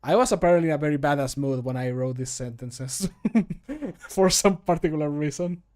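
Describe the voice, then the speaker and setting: A man's voice: on the high side, expressive, moderate pace, a little mellow. A man in his thirties chatting casually as a streamer, in an amused, self-deprecating way, close on the microphone. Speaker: streamer recording mod voicelines. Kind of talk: casual livestream chat. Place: small home room. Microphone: close studio microphone.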